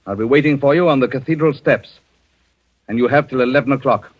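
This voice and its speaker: A man's voice: medium pitch, a little fast, soft background music, lightly acted. A man playing a cold, scheming husband in a 1940s radio drama, giving clipped, menacing orders on a dull old broadcast recording. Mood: cold menace.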